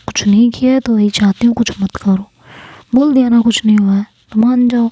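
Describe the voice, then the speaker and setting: A woman's voice: on the high side, fairly even intonation, brisk, dark tone, no room sound, lightly acted. A woman voicing a touchy, stubborn young woman in a whispered storytelling voice. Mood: upset.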